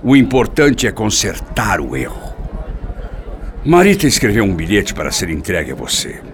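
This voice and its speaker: An actor playing a scheming middle-aged Brazilian father who feigns tender concern, smooth-talking and solemn in radio soap opera style. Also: lowish voice, very animated, normal speed. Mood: reassuring. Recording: noisy, hissy radio drama recording.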